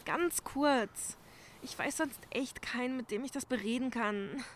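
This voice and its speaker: A woman's voice: a little high, measured pace, slight background noise, lightly acted. A woman playing an anxious young crime-scene cleaner in a crime audio drama, speaking hesitantly and urgently, pleading. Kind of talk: German crime audio drama acting, conversational.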